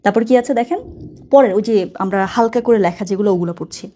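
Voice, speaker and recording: A woman's voice: mid-range voice, a little fast, dark tone. A woman teaching German from a textbook, chatty, explaining words step by step and correcting herself as she goes.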